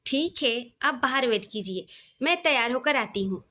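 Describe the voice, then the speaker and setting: A woman reading the part of a gentle, polite young bride. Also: on the high side, expressive, moderate pace, slight background noise. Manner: soft, polite.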